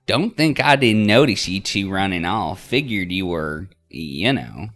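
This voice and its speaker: A man's voice: low-pitched, animated, measured pace, a bit bright, soft background music. A man voicing a chatty, nosy young mother in a game, with a folksy, over-familiar manner. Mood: knowing, teasing.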